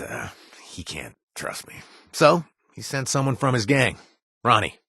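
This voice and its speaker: A deep, husky sardonic wasteland guy. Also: fairly bright tone, no room sound, exaggerated voice. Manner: dry, sarcastic humor with frequent "uh" hesitations. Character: wry, sardonic wasteland man worried for his brother. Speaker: wasteland ally and bartender. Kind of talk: video game voice lines.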